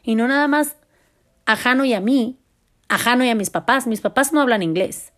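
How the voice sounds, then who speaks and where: A Mexican woman in her forties, a mother telling family stories to her viewers in a loud, expressive, casual way. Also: fairly high pitch, moderate pace.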